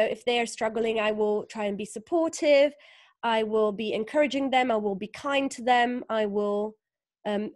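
Woman with a bright, dry voice. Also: a little high, no echo. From northern Italy. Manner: thoughtful, many fillers and restarts, asks rhetorical questions. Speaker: guest author. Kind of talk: conversational interview on a video call. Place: small room indoors. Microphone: video call webcam.

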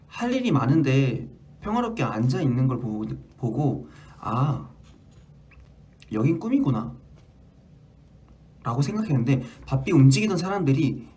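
A man in his twenties hosting a casual livestream, reading fan stories aloud with an animated, jumpy manner. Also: mid-range voice. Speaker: idol livestream host.

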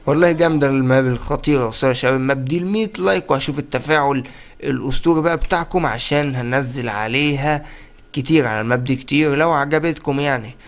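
Young Egyptian male gaming host, playful and chatty, rattles along quickly. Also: mid-range voice. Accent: Egyptian Arabic. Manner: playful, chatty, addresses viewers directly. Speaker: gaming YouTuber. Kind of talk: casual gameplay commentary.

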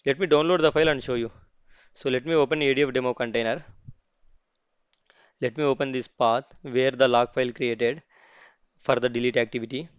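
A man hosting a screen-recorded software tutorial, explaining each step as he clicks, with frequent restarts and "okay, see" asides. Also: medium pitch, steady tone, brisk, pauses often, clear, resonant tone, no echo, dull audio. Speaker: tutorial host.

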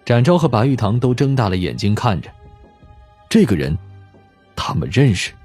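A man's voice: medium pitch, big pitch swings, moderate pace, darkish tone, slightly rough, faint music behind. A man narrating a scripted audiobook story as its narrator.

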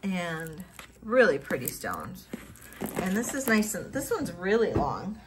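A middle-aged woman casually showing off vintage jewelry finds, thinking aloud and trailing into soft mutters as she tests stones. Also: fairly low pitch, big pitch swings, takes it slowly, noisy background. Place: home office at a table.

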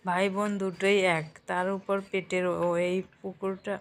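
A woman's voice: medium pitch, level tone, moderate pace, lightly acted. A woman voicing a fussy middle-aged mother who grumbles and reproaches, in an audio story. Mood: reproachful.

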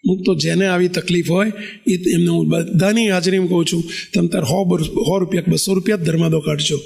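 A man preaches to his congregation in a high, gravelly voice. He keeps asking the crowd questions and tells his stories with lively animation. He talks as a monk giving a sermon. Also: fairly quick. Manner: animated, rhetorical questions to the audience.

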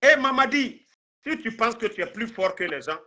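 A man's voice: very high voice, lively intonation, normal speed, sharp tone. A man in his thirties with a Guinean accent, talking politics on a live stream in an emphatic, indignant, repetitive way. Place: indoor room, video call.

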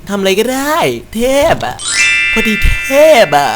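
A man hosting a horror game playthrough, talking loud, crude and excitable and shouting whenever something startles him. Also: high voice, measured pace. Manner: loud, profane and excitable, yelling at scares. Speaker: gaming channel host. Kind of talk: Let's Play commentary. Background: game music.

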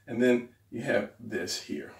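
Sitting indoors at a desk, an art instructor teaches how to draw the torso while sketching, trailing off and muttering to himself as he works. His mid-range voice is going hoarse, his intonation fairly even and his pace unhurried. The mic sounds roomy and slightly distant.

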